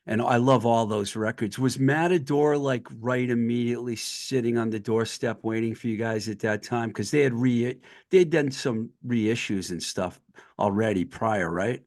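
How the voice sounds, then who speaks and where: A man's voice: medium pitch, normal speed, darkish tone. A man hosting a casual podcast interview, asking eager, fan-like questions. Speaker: podcast host.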